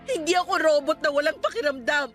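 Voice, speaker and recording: A woman's voice: high voice, lively intonation, quick pace. A woman playing a conflicted young woman in a Tagalog radio drama love story. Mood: defensive, upset. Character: conflicted young woman caught cheating on her fiancé. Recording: soft music bed underneath.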